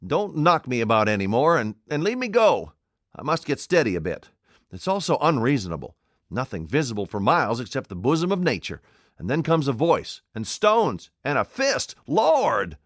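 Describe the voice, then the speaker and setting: A man voicing an excitable old English tramp who blusters and fumbles his words in an audiobook. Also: mid-range voice, normal speed, dry recording, studio quality, pitched above the performer's own voice, natural voice. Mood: bewildered. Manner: blustering, flustered, dialect-heavy. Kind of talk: audiobook character voice.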